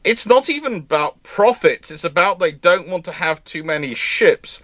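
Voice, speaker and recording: A man's voice: high voice, animated, normal speed, noisy background. A man hosting a live naval history Q&A, explaining at length with many fillers and restarts. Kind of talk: live Q&A chat.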